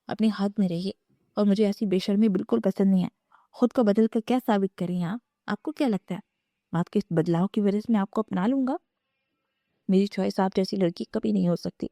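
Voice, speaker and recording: A cold, cutting young husband, as read by a woman narrator in a storybook reading, harsh and proud in every line. The tone stays dark and mellow, recorded close and dry. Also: medium pitch, dry recording, close to an everyday voice. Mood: bitter.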